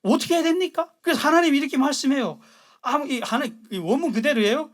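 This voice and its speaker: A pastor giving a sermon, retelling scripture in a blunt, colloquial way, jumping between loud outbursts and hushed asides. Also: high voice, fast.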